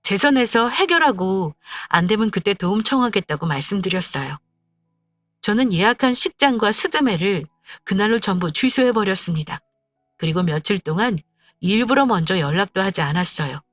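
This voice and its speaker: A woman's voice: medium pitch, lively intonation, normal speed, fairly bright tone, no echo, faint music behind. A woman in her thirties narrating a first-person story in a firm, matter-of-fact way.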